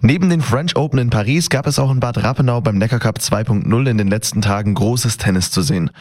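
A man presenting the morning news on a regional radio station in a measured newsreader delivery. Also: medium pitch, darkish tone. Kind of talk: read news bulletin.

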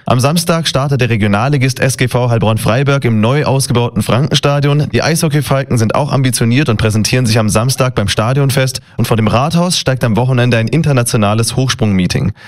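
Male radio news reporter, mid-pitched, delivering scripted regional bulletins. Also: fast talker, few pauses.

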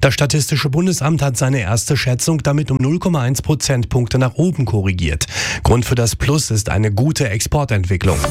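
A man reading a radio news bulletin in an even, formal way. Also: mid-range voice, no echo, clean studio sound. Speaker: newsreader.

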